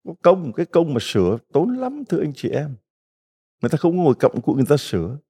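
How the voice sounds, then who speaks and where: A man's voice: fairly high pitch, wildly swooping pitch, fast talker, dark tone, breathy edge. A middle-aged man, a Catholic priest, giving a folksy retreat homily full of stories and rhetorical questions to the congregation.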